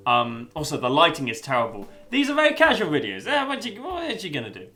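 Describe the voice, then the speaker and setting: A man's voice: a little high, wildly swooping pitch, fast talker, pushed and bright. A young man giving a casual spoken review, rambling with lots of fillers and restarts, and swearing now and then. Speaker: video essayist reviewing a story.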